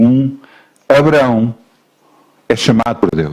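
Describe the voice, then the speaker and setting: A man with a medium-pitched voice talks at a very slow pace, his pitch varying in an ordinary way and his tone dark and mellow. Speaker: pastor. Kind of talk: sermon.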